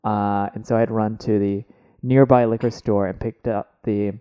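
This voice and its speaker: A man co-hosting a casual podcast, playful and animated, often jumping up in pitch when surprised. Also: moderate pace, clean tone, dull audio. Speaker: podcast co-host. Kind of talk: casual chat.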